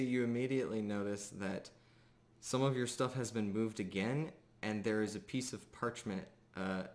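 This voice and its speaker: A man narrating a tabletop game as game master, improvising in a casual, halting way. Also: on the low side.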